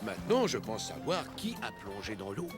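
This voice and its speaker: A man playing a kindly, playful older grandfather in a cartoon, gently explaining and encouraging. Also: fairly low pitch, wildly swooping pitch, normal speed. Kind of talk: French cartoon dubbing. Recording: music behind the voice.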